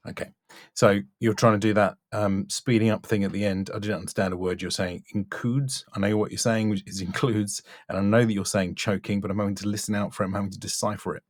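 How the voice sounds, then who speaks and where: A man with a fairly low voice speaks as a coach reviewing someone's work. He is frank and emphatic but encouraging, pausing to press his points. The sound is dry, with very little room. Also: little pitch movement, dry recording. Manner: blunt but encouraging, emphatic, deliberate pauses. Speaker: voice-over demo coach and reviewer. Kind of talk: spoken critique and coaching.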